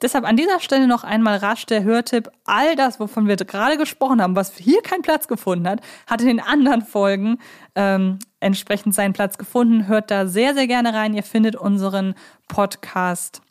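A woman with a medium-pitched voice co-hosts a fan podcast. She talks in a conversational way, pausing to rephrase and correct herself as she thinks things through. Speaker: podcast host.

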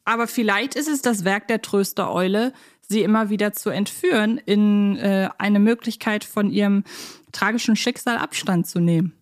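A woman with a medium-pitched voice talks as a podcast host. She is chatty and thoughtful, explaining things in a casual, conversational style. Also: normal speed. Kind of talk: casual podcast discussion of children's audio dramas.

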